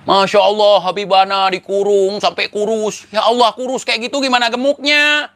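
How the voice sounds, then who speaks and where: A man's voice: high voice, fairly even intonation, moderate pace, fairly bright tone. A man from Aceh, giving mocking, sarcastic commentary. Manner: mocking, teasing, laughs at his targets. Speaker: online commentator.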